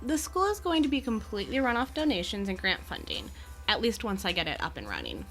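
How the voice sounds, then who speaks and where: A woman's voice: medium pitch, very animated, fairly quick, a bit bright, faint music behind. A woman playing an amiable, poised Gorgon educator in an audio drama, with articulate, genteel and reassuring phrasing. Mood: earnest, passionate.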